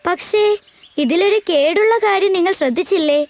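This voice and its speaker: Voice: extremely high pitch, normal speed. A performer voicing a curious, friendly little girl animal in a children's cartoon, over music. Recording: music bed behind the voice.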